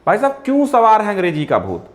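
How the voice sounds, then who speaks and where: A man's voice: high-pitched, fast. A male teacher walking through a Sanskrit text line by line, repeating each phrase and adding playful asides. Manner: animated, repetitive explaining with playful asides. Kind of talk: line-by-line Sanskrit lesson explained in Hindi.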